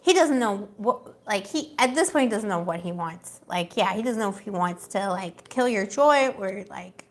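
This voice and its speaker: A woman's voice: medium pitch, lively intonation, normal speed, hardly any pauses. A woman giving a casual livestream tarot reading, chatty and gossipy, laughing often, with a voice she says is going. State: losing her voice. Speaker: tarot reader.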